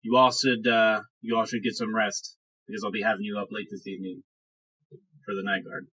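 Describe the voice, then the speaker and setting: A man's voice: fairly low pitch, flat delivery, brisk, bright, forceful tone, slightly rough, recorded from a distance, highs cut off. A man voicing a stern, proud tribal chieftain and father in a tabletop game, speaking in curt commands. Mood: weary, firm.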